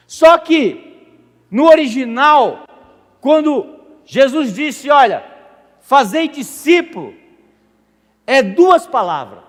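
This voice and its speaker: A man preaching a sermon as pastor, animated and jokey, asking the congregation questions. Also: very high-pitched. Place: church hall. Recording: echoey church hall with music.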